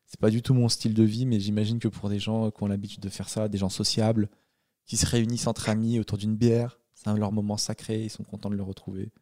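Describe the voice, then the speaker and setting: A man's voice: lowish voice, flat delivery, fast talker, mellow, dry recording, studio quality. A man hosting a casual chat, talking in a blunt, slangy way. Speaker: podcast host.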